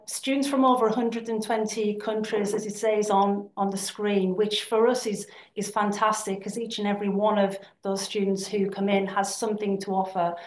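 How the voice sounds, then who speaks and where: A woman gives a webinar talk about her university to prospective students. She speaks steadily at a middle pitch and often fills pauses with ums and repeated words. The sound is roomy, as if recorded in an echoey space. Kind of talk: webinar presentation.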